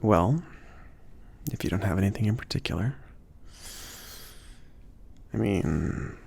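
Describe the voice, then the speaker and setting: Low, creaky, unhurried male mage, acted by a man. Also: animated, a little mellow, heavily acted. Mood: casual, teasing. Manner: hesitant, murmured, reassuring, chuckling. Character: laid-back, gently teasing male mage, potion shop owner. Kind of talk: ASMR roleplay, intimate one-sided conversation.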